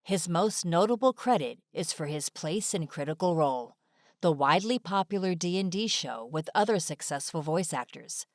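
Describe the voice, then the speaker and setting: Woman doing scripted video voiceover, lowish voice, really dry close recording. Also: expressive, normal speed, dry recording. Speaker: narrator.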